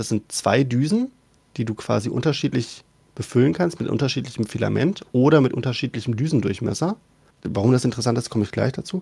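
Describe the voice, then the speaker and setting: A man talks very fast at a medium pitch, with ordinary pitch variation. His tone is dark and mellow and somewhat breathy. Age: young. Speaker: podcast co-host, hobby 3D printing fan. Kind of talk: casual chat, trade fair report. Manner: hesitant, many fillers and repetitions.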